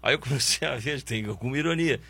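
A man's voice: medium pitch, fast talker, creaky, sharp tone, breathy edge, dry recording. A man, hosting a football talk show and ranting bluntly and sarcastically about the national team. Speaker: sports commentary host. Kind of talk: opinionated football commentary.

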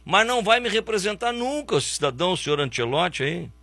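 Hosting a football talk show, a man rants bluntly and sarcastically about the national team in opinionated commentary. His high voice is fast, pushed and bright, with big pitch swings and vocal fry, and there's no echo.

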